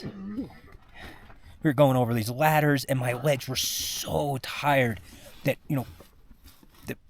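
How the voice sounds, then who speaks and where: A man giving a casual first-person vlog monologue, sounding exhausted, with a weary, halting, rambling way of talking. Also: medium pitch. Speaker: mountain climber recording a personal expedition vlog.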